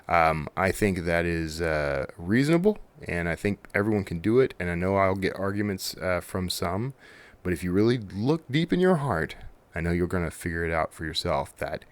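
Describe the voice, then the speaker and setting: A man with a low voice speaks as a podcast host in a loose, conversational monologue. He rambles informally and drifts into asides. The sound is dry and close, with hardly any room in it. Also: no room sound. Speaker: author. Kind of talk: casual solo podcast monologue.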